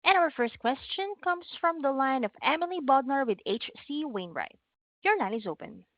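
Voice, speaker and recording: A woman's voice: sits high, very animated, normal speed, dry recording. A woman conference operator reading scripted announcements and instructions on a slightly dull call line.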